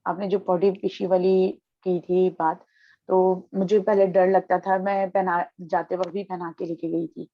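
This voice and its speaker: A mother of an autistic child talking in an animated way about her son's crying and what she tries. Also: lowish voice, dry recording, lo-fi sound. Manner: animated, storytelling, worried. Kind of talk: casual conversation, describing her experience.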